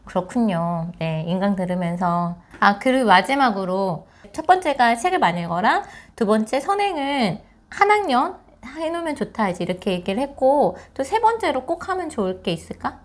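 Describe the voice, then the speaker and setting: A woman in her forties leads a casual, conversational interview. Her voice sits a little on the high side and her intonation is very lively. She is miked on a lapel in a small indoor space. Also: moderate pace, few pauses. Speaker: interviewer, mother.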